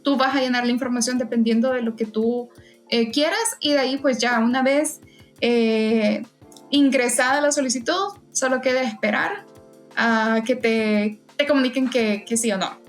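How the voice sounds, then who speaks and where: A woman's voice: a little high, steady tone, moderate pace, soft background music. A woman guest in a casual interview, talking in a hesitant way with frequent fillers and restarts. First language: Spanish. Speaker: podcast guest, event volunteer.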